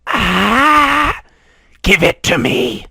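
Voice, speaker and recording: A man voicing a vengeful mother king cobra in a storybook reading, with a hissing, drawn-out whisper. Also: high voice, wildly swooping pitch, pushed and bright, dry recording, voice pushed up, full character voice. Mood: pleading. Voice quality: raspy, gravelly.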